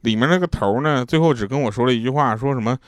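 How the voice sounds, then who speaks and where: Male comic storyteller, mid-pitched, chatty, asides to the listener, dry mic. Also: quick pace, no room sound. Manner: chatty storyteller, laughs at his own punchlines; casual slangy asides to the listener. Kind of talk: telling jokes and funny anecdotes.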